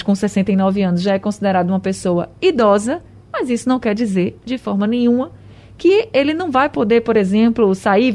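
A woman hosting a radio call-in show. She addresses listeners and guests in a friendly, measured way. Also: medium pitch, a little mellow. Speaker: radio host.

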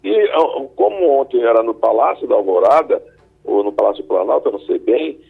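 A man with a Brazilian accent commenting as an interview guest over a phone line, halting and emphatically repeating himself. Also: mid-range voice, animated, creaky, husky. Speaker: electoral lawyer, interview guest. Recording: tinny, muffled phone line.

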